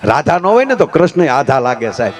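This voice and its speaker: A man telling folk jokes on stage, acting out characters in changing voices and adding preachy asides. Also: brisk. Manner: animated, swings pitch to act out quoted characters. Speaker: folk humorist. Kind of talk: live folk comedy storytelling.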